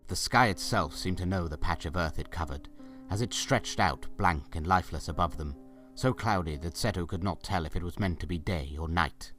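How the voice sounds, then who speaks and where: A man's voice: low-pitched, normal speed, hardly any pauses, a bit bright, faint music behind. A man narrating a scripted audio drama as a storyteller, with dramatic delivery.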